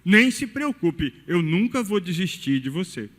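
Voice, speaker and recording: A high-pitched man preaches a sermon, his voice rising and falling in wide swings as he asks the congregation rhetorical questions. His voice rings out through the long reverb of a large cathedral hall. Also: very animated, unhurried, fairly bright tone. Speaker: pastor. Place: cathedral during evening service.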